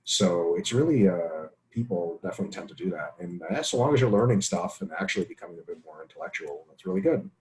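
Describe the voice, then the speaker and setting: A man's voice: low voice, expressive, fast, hardly any pauses, darkish tone, poor audio. A man co-hosting an online webinar, reading listener questions and chatting in a joking, profane way over a computer mic. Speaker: webinar co-host.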